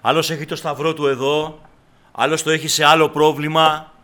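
A man preaching a sermon to his congregation, breaking into loud cries and then dropping back to a low, quiet voice. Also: little pitch movement. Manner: shouts in bursts, then drops to a low, quiet tone; addresses the congregation as brothers.

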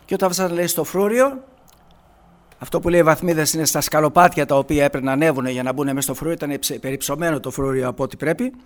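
A man preaching a sermon, retelling a Bible passage with frequent rhetorical questions. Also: a little high. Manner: retells scripture with constant "he says", rhetorical questions.

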